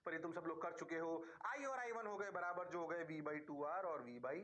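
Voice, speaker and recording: Male physics teacher, high voice, playful and singsong, quizzes students and answers for them. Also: normal speed, a bit bright, slight background noise. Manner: playful, rhyming catchphrases. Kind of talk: online lecture to students.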